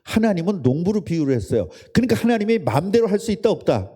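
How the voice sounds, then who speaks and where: A man's voice: sits high, very animated, quick pace, mellow. A man preaching a casual sermon, chatting with and quizzing his congregation and its children. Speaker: pastor. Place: church service room.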